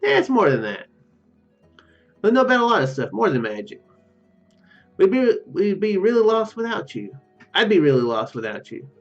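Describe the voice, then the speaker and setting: A man's voice: sits high, big pitch swings, normal speed, pauses often, lo-fi sound, soft background music. A man playing an unsure, sincere young hero in a visual novel, with a hesitant, earnest delivery. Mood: tender, earnest.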